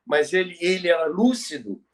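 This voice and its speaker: High-pitched Brazilian man telling a story. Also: lively intonation. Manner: halting, repeats words for emphasis. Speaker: podcast co-host. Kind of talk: conversational storytelling about radio history.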